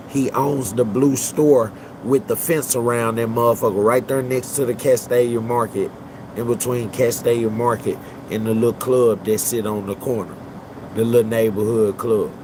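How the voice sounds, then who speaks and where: A man's voice: mid-range voice, steady tone, moderate pace, background noise. A man hosting a livestream, talking bluntly and with lots of profanity in casual commentary. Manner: blunt, profane, emphatic street talk. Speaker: livestream host.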